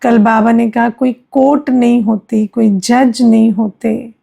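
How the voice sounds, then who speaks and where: A woman spiritual teacher giving an unhurried sermon-style reflection, explaining with everyday examples and often checking in with her listeners. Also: on the high side, fairly even intonation, creaky, mellow, slightly rough.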